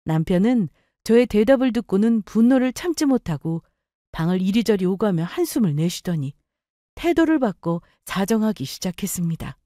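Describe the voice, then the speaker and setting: A woman narrating a first-person family story in a calm, measured way. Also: medium pitch, no room sound, clean studio sound.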